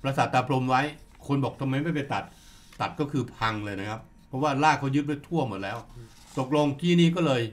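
A man in casual podcast chat, telling a story with animation and reading out long figures one by one. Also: mid-range voice. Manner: animated, lists figures and numbers slowly. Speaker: podcast discussant.

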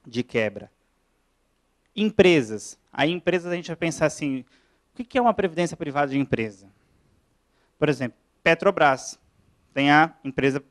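A man from Brazil, a lawyer giving a classroom lecture, talking fast and chatty and checking in with his audience. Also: fairly high pitch. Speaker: lawyer lecturing on pension law.

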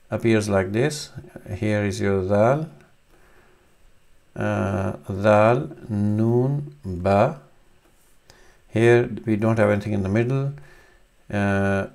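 Slow, gravelly-voiced man teaching letters. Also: fairly low pitch, darkish tone. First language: Urdu. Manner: slow, halting explanation with many fillers. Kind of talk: screen-recorded reading lesson.

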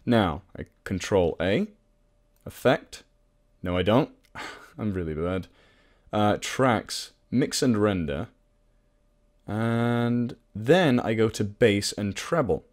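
A man presenting a casual software tutorial in an informal, self-deprecating, sweary way. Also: on the low side, animated, slow pace, long pauses.

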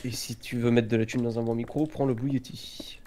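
A man's voice: mid-range voice, flat delivery, brisk, mellow. A man, chatting and joking casually while playing a game. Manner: chatty, jokey, gives gear advice. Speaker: let's play co-host. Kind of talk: casual gaming chat.

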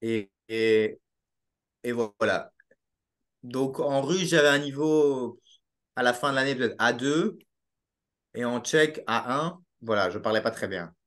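A young Belgian guest on a podcast, with a Belgian French accent, chats in a casual video-call interview, faltering with frequent fillers and restarts. He's heard through a laptop webcam mic in a small room at home, his mid-range voice fairly bright in tone.

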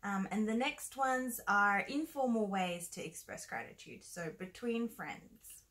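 A woman's voice: medium pitch, measured pace, fairly bright tone. A young woman co-hosting a beginner language lesson, explaining in a friendly way with small fillers. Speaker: Korean teacher, co-host.

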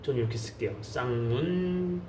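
A man from South Korea teaching a beginner English lesson, repeating example phrases slowly for learners to copy. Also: medium pitch, expressive, mellow, slight background noise.

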